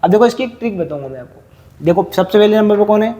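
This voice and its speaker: A man with a high, soft, mellow voice teaches a class live. He fires questions at the students and repeats figures over and over to drill them in. He is heard through a lapel mic. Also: lively intonation, fast. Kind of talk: classroom lecture.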